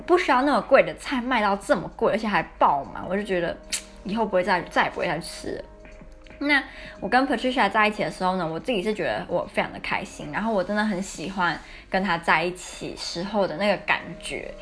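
A woman's voice: mid-range voice, fairly bright tone. A young woman from Taiwan with a Taiwanese Mandarin accent, hosting a podcast and telling personal stories in a chatty, candid, confiding way. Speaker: podcast host. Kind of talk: casual storytelling chat.

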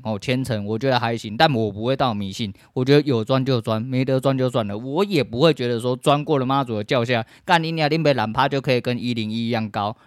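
A man in his thirties with a Taiwanese Mandarin accent, hosting a solo podcast, swearing constantly and breaking into shouts as he rants. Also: mid-range voice, dry recording, clean studio sound. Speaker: podcast host. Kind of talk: profane solo rant.

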